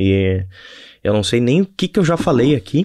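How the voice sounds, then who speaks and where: With a southern Brazilian accent, a man speaks at a moderate pace. The sound is dry and close with no echo, and the background is quiet. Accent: southern Brazilian (gaúcho). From Brazil, Rio Grande do Sul (Novo Hamburgo). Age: 20s. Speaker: podcast host and entrepreneur. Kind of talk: casual solo talk. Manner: halting, many repetitions and fillers. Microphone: testing new audio setup.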